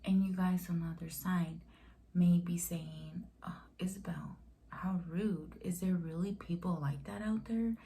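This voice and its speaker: Young woman w/ mexican accent, stutters a bit, slow and breathy, kinda mellow low voice. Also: fairly even intonation. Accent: Mexican Spanish. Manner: stuttering, with short pauses and fillers. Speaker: vlogger. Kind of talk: casual talk to camera.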